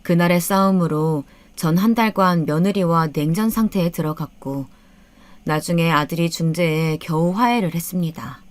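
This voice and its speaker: A woman's voice: lowish voice, normal speed, dry recording. A woman narrating a first-person story as an aggrieved older mother, in a subdued, rueful manner.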